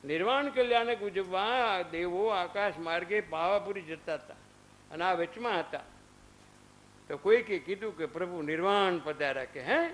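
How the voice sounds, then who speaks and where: Through poor audio, a man in his fifties speaks in a high-pitched, fairly bright voice at a moderate pace. He's giving a spiritual discourse at an ashram, using stories, quoted dialogue and rhetorical questions.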